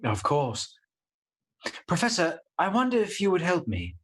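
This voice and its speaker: An actor playing a shaken but earnest and insistent young husband in a radio drama. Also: male voice, high voice, wildly swooping pitch, unhurried, fairly bright tone, full character voice. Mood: sympathetic, polite. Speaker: actor in a live radio play. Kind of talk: theatrical radio drama acting.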